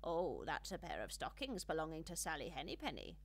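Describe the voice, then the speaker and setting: A woman's voice: low-pitched, wildly swooping pitch, a little fast, creaky, pitched below the performer's own voice, full character voice. A woman voicing a small stout female hedgehog washerwoman in a storybook, humble, fussy and deferential, like a busy country servant. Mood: fussy, chatty.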